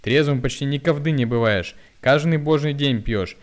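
A man's voice: mid-range voice, normal speed, pitched above the performer's own voice, natural voice. A man voicing a weary middle-aged village woman who pleads with and scolds her drunk husband in rustic speech. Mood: scolding plea.

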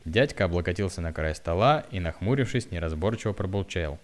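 A man reading a story aloud in a calm, even narrating voice. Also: low-pitched, brisk. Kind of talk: audiobook narration.

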